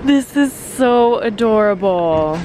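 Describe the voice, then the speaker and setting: A woman's voice: a little high, lively intonation, takes it slowly. A woman in her thirties chatting casually to a handheld camera in stores and her car, upbeat and giggly, full of "like". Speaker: vlogger. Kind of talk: casual vlog chat. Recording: noisy store and car ambience.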